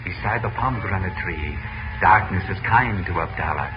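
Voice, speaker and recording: An actor playing a mysterious, flattering Arab prince in a 1940s radio drama, speaking in formal, flowery, deliberate phrases. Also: male voice, low-pitched, background noise. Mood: secretive, courteous. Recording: muffled vintage radio recording.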